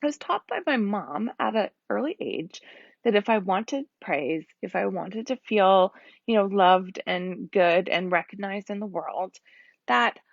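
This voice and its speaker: A woman in her thirties with a husky, tired voice, talking candidly and rambling a little on a live stream from home. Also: medium pitch, animated, a little slow, no room sound. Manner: candid, rambling, laughs often. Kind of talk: casual live stream talk. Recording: dull lo-fi sound.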